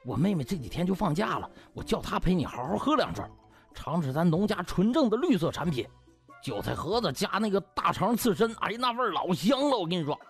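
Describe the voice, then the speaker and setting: A man's voice: high-pitched, sing-song, fairly quick, soft background music. A man voicing an effusive rustic villager, gushing and folksy, in an audiobook. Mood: eager, folksy. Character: effusive rustic villagers praising a young doctor.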